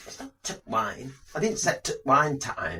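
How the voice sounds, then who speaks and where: Bright and sharp in tone, a man with a Staffordshire accent speaks at a moderate pace with very wide pitch swings. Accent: broad Stoke. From Stoke, England.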